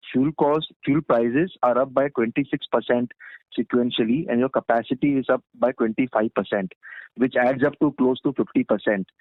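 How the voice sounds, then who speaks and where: A man speaking as an analyst, asking questions politely and deferentially on a conference call, often repeating words. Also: medium pitch. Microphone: telephone line. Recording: roomy, echoing phone-like line.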